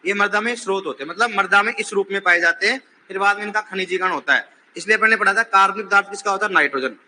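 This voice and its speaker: A male teacher in a classroom, drilling his students with questions and teasing them when they falter. His voice sits high and cuts through sharply. Faint room noise runs under the recording. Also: steady tone, fast talker. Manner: says he is shouting while teaching. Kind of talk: classroom lecture.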